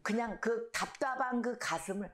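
A middle-aged woman pastor preaching a sermon, telling stories and acting out shouted quotes. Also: fairly high pitch, normal speed. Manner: storytelling, animated, acts out shouted quotes. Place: church sanctuary. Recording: echoey church hall.

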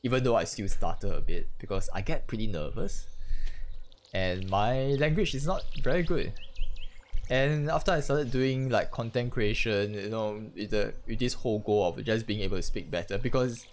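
A man's voice: on the low side, lively intonation, normal speed, a little hiss or hum. A young man from Singapore with a Singaporean English accent and Mandarin as his first language, talking reflectively over gameplay with a slight stutter and frequent restarts. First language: Mandarin Chinese. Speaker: gaming channel host. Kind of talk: casual gameplay commentary and personal reflection. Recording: faint music behind voice.

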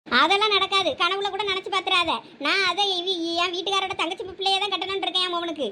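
A woman playing a defensive, sharp-tongued elder sister in a village comedy skit, speaking with a Thoothukudi Tamil accent and quick retorts. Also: very high-pitched, flat delivery, a little hiss or hum. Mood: scolding.

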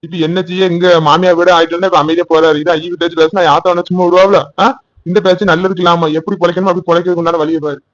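A man's voice: high-pitched, level tone, very fast, dry recording, highs cut off, close to an everyday voice. Man voicing a stern village father. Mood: lecturing. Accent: Tirunelveli Tamil. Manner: lecturing, reproachful. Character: middle-aged village father, stern but soothing.

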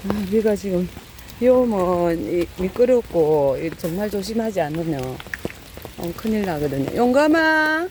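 A middle-aged woman with a lowish, warm voice narrates casually and unhurriedly outdoors in heavy rain as she feeds stray cats for her vlog. She uses many fillers and raises her voice fondly to coax the cats. The rough recording carries light rain noise.

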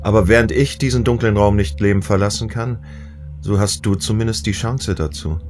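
A man's voice: lowish voice, fairly quick, a little mellow, soft background music, lightly acted. A man acting a stubborn, regretful old father in a German audio drama, speaking in a weary, grave, emphatic way. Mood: resigned, pleading. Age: older.

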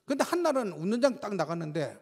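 An older man giving a lively sermon testimony in a church, telling stories with shouts and sound effects. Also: sits high, fast talker, creaky, husky. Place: church sanctuary. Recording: long church-hall reverb.

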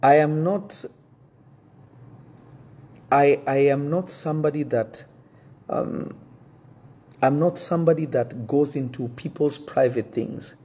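A pastor in his thirties, a native French speaker, talks to camera in a dark, mellow voice with a slightly husky grain. He is earnest and measured and often restarts mid-sentence to pick his words. He is recorded close up on a phone in an indoor room. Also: fairly high pitch. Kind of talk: direct-to-camera address to his congregation. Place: indoor room with wooden shelves.

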